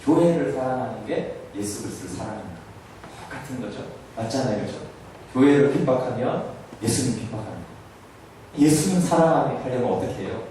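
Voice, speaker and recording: In a church hall, a pastor preaches to his congregation, often asking them questions and acting out Jesus's words as quotes. His medium-pitched voice has lively intonation and a dark tone, and he talks a little fast. The very echoey room makes him sound distant, and there is a little hiss or hum.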